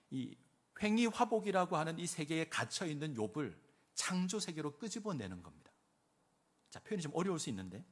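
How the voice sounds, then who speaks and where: Lively Korean pastor preaching a sermon. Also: male voice, fairly high pitch. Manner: lively preaching, voices scripture quotes with rising emphasis.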